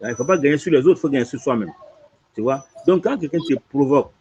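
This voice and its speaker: A mid-range male voice, quick-talking, with a little hiss or hum: an imam fielding questions. He explains a religious teaching in conversation, lively and repetitive, often tossing in "tu vois" to check on his listener. Audio is dull lo-fi.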